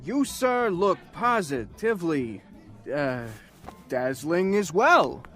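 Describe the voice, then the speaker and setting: High, swooping, cocky male detective. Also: big pitch swings, takes it slowly, a bit bright, soft background music, full character voice. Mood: playful. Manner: showy, playful, boisterous. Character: cocky, jokey, flamboyant male police detective. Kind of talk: full-cast audio drama acting.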